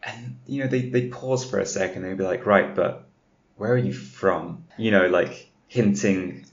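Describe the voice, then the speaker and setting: Low gravelly man. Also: measured pace. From London, England. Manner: relaxed, laughs often. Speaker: podcast guest. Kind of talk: casual conversation. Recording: dull lo-fi audio.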